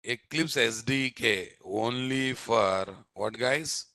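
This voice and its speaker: Medium in pitch and slow in pace, this man's pushed, bright voice comes through clean studio sound without echo. He's a software instructor with a Telugu Indian accent teaching programming live, emphatic and repetitive, often tossing short tag questions at the class.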